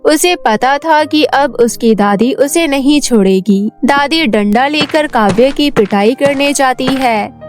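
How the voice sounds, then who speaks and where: A woman doing scripted narration of a children's cartoon story as its storyteller. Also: high voice.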